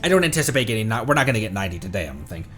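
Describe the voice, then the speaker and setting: A man's voice: fairly low pitch, sing-song, racing. A man streaming a video game, chatting casually and thinking aloud as he plays. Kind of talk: casual livestream game commentary. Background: faint game music.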